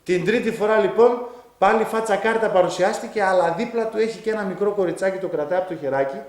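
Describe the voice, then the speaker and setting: A man giving spoken testimony of a miracle he lived through, telling it vividly and acting out what each person said. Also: sits high. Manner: lively storytelling that keeps acting out his own and others' words. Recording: roomy echo.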